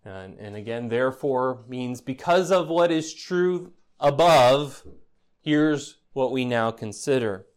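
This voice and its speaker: A pastor with a clean, expressive mid-range voice takes his time preaching an expository sermon in a conversational, teaching style. He often throws rhetorical "right?" questions at the congregation, adding a bit of dry, teasing humor.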